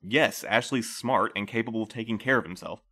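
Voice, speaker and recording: A man playing a calm, patient middle-aged postmaster who interviews new couriers, speaking gently and in a measured way. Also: lowish voice. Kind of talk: audio drama acting.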